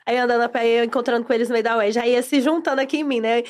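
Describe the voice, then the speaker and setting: A Brazilian woman, a former teacher and podcast guest, telling classroom stories in lively casual chat and acting out voices. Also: a little high, rapid-fire, a little hiss or hum. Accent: Brazilian Portuguese.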